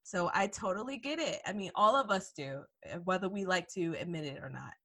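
A woman's voice: fairly low pitch, brisk. A woman hosting a podcast, chatting casually and enthusiastically with her guest. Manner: enthusiastic, gets excited and laughs. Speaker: podcast host and hygienist coach. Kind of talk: casual podcast interview chat.

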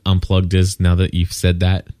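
A man with a fairly low voice chats casually as co-host of a fan podcast. He talks in an animated, joking way, stumbles over repeated words and slips into mocking sing-song quotes. The sound is dry and close, with no room echo. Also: moderate pace. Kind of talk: casual chat.

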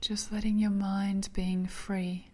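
A woman narrating a guided sleep meditation in a soft, breathy, half-whispered, soothing way, like a sleep story narrator. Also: mid-range voice, level tone, slow pace.

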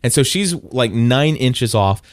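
A man telling a long, animated story in casual chat, acting out the people in it. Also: mid-range voice, a little slow, no room sound, clean studio sound. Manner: animated, quotes others in raised voice.

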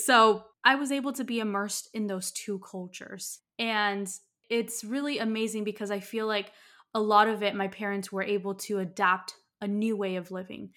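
A woman's voice: medium pitch, pushed and bright. A woman in her thirties from Miami, hosting a podcast in a candid, ranting monologue that is often broken by laughter. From United States (Miami). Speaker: podcast host. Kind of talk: casual monologue.

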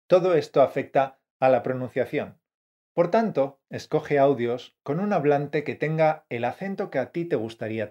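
A man co-hosting a scripted teaching podcast, brisk and coaching in tone. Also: mid-range voice, a little mellow, highs cut off. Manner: brisk, coaching, calls listener "campeón" and "fiera". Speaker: podcast co-host, Spanish teacher.

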